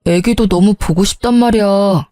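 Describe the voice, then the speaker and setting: A woman's voice: mid-range voice, moderate pace, dark tone, dry recording, close to an everyday voice. A woman voicing a young husband begging his wife for forgiveness in a storybook narration, with a begging, wheedling manner. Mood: pleading. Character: pleading young husband, apologetic and remorseful.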